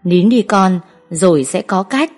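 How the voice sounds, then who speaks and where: A woman's voice: medium pitch, animated, measured pace, a little mellow, soft background music. A woman reading a story aloud, voicing an indignant middle-aged village aunt who scolds and comforts in exclamations. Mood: indignant, soothing.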